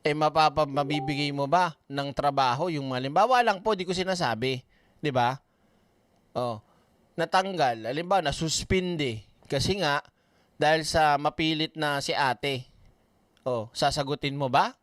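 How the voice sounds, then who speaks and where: A man's voice: a little high, a little slow, fairly bright tone, slight background noise. A man doing casual ranting commentary, blunt and swearing often, reading viewer comments aloud. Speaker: online commentator.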